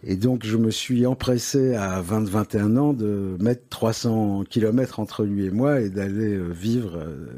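A man's voice: fairly low pitch, a little slow, few pauses, mellow. A middle-aged man with an old Parisian accent, answering interview questions about his ad agency, hesitant with many fillers and wry self-mockery. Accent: Parisian French. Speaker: advertising agency founder, interview guest.

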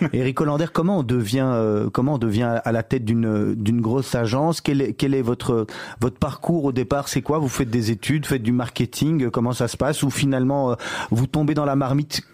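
A man's voice: medium pitch, moderate pace, a little mellow. A man hosting a conversational radio interview show.

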